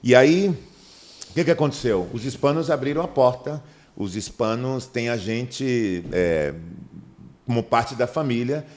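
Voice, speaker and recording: In a podcast interview, a pastor from Manaus, Brazil, middle-aged, spins lively stories and performs the dialogue in a raised voice. His pitch is medium and his pace a little slow.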